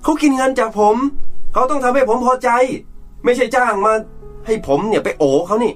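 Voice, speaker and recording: A man's voice: very high voice, lively intonation, quick pace, darkish tone, faint music behind. An actor playing a middle-aged, arrogant rich businessman and father who scolds harshly and bosses everyone around. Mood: complaining.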